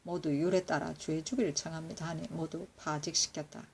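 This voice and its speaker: A woman reading historical court annals aloud in a steady, measured recitation, now and then correcting herself. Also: deep voice, vocal fry, slight background noise. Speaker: reader of historical records.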